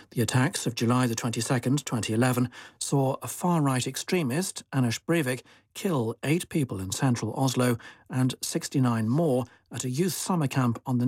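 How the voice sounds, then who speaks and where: A male newsreader reading a scripted world news bulletin in a measured, formal way. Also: mid-range voice, a little mellow, breathy edge, no room sound. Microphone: studio microphone.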